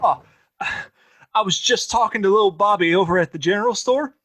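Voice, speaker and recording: Deferential frontier henchman, male actor, high voice, eager and hapless, radio-play western. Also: a little fast, background noise, lightly acted. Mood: eager, flustered. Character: eager, bumbling, deferential Old West lawman's henchman. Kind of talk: audio play acting.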